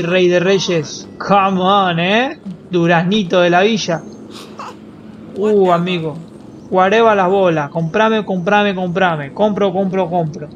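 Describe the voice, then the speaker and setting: A man's voice: high voice, fairly bright tone, lo-fi sound, slight background noise. A young man with an Argentine accent, streaming a game and joking with crude slang. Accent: Rioplatense Spanish. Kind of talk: casual gameplay commentary.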